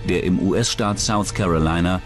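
A man's voice: low voice, normal speed, over music. A man reading scripted narration for a true-crime documentary.

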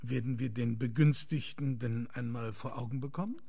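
An actor playing a genial, concerned gentleman lawyer with a formal, measured manner in a German radio drama. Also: medium pitch, creaky, breathy edge. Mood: earnest concern.

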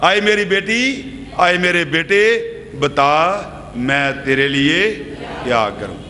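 High-voiced, bright preacher in a church hall. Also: male voice, lively intonation, takes it slowly. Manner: preaching with sweeping arm gestures, questioning the congregation. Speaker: pastor. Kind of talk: sermon. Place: church hall with brick wall, indoors. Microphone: podium microphones. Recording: reverberant church hall with faint hum.

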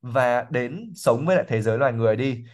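A man explaining English words during a livestream reading lesson. He repeats words slowly and thinks aloud with fillers. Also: mid-range voice, animated. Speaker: English teacher.

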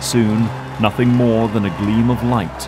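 A man narrates an action audio drama in a fairly low voice. The delivery is scripted and dramatic, with prominent music behind him. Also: flat delivery, a little slow.

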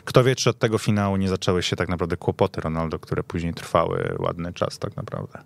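A man's voice: deep voice, a little fast, vocal fry, no echo. A man chatting casually and emphatically about football as a guest on a studio show. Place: radio studio.

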